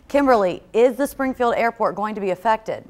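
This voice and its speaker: A woman's voice: fairly high pitch, expressive, a little fast, a little mellow. A woman with an American accent reading scripted news as a studio anchor.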